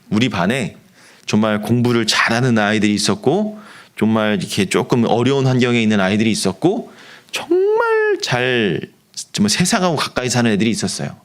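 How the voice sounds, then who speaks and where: A middle-aged man, a pastor preaching a youth sermon, telling a story and acting out the voices in it. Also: medium pitch. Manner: animated, acts out quoted voices of friends.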